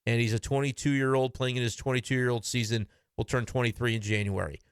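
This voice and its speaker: A man's voice: medium pitch, level tone, fairly quick, smooth, no echo, studio quality. A man giving casual, frank solo commentary on his baseball team from his computer desk, talking in an opinionated, conversational way.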